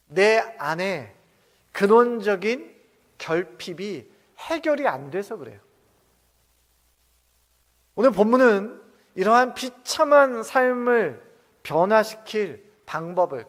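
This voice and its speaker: A male pastor preaching a Sunday sermon from the pulpit, asking the congregation questions and swinging between soft and loud. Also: high voice. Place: church sanctuary. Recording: long reverb of a church hall.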